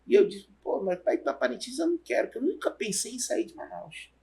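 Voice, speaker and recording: Husky-voiced Amazonian professor, halting. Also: male voice, extremely high pitch, wildly swooping pitch, a little mellow. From Amazonas, Brazil. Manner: rambling, halting storytelling with restarts. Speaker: university professor, guest. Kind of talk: relaxed career interview.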